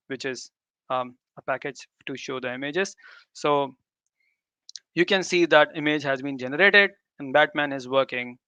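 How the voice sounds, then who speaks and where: A man's voice: fairly high pitch, pushed and bright, smooth, no echo, highs cut off. A man whose native language is Urdu gives an informal live tech demo, often repeating and rephrasing himself. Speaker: tech presenter. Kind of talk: live demo talk to developers.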